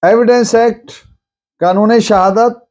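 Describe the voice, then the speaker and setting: A Pakistani man speaks as a lecturer, in a fairly high-pitched but mellow voice. He goes very slowly and deliberately, explaining point by point and repeating for emphasis. English terms are mixed into his speech. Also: steady tone. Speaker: law lecturer.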